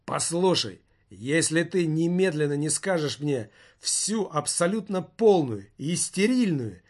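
A man's voice: a little high, lively intonation, measured pace, darkish tone. A man voicing an agitated male journalist who threatens and pleads with urgent force. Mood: menacing.

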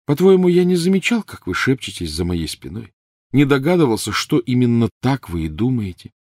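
A man's voice: on the low side, animated, normal speed, breathy edge, dry recording, clean studio sound. Harry Potter, a man reading a tense teenage boy. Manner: cold, clipped, angry.

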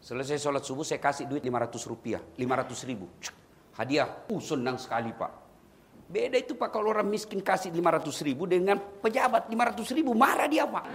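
Animated preacher. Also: male voice, fairly high pitch, brisk. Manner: jokey, teasing, rising to loud exhortations. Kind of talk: humorous sermon.

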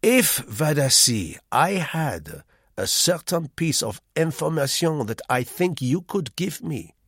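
A man reading the part of a sly, menacing foreign man who feigns politeness, in a slow, silky, insinuating way. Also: mid-range voice, breathy edge, dry recording, studio quality, voice pushed up, exaggerated voice.

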